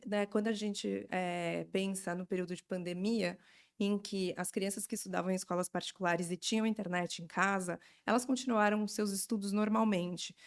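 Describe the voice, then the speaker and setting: A woman's voice: medium pitch, gravelly. A woman in her forties with a Brazilian Portuguese accent, explaining things informally as an interview guest. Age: 40s. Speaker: interview guest, education NGO representative.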